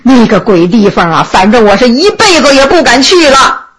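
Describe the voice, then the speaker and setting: A woman voicing a quick-witted young male inn servant in a told story, excitable, pleading and emphatic. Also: a little high, husky, exaggerated voice. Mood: agitated.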